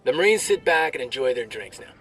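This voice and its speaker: An actor playing a brash, crude army soldier telling jokes with swaggering military banter and drawn-out delivery. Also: male voice, mid-range voice, big pitch swings, a bit bright, breathy edge, far from the mic. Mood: cocky, joking. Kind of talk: military banter, performed joke storytelling.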